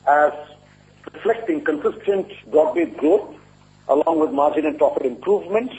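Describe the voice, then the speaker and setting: Muffled, mellow-voiced man presenting company results. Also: fairly high pitch, lively intonation, moderate pace. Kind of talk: formal corporate earnings presentation. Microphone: conference call line. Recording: muffled lo-fi conference call audio.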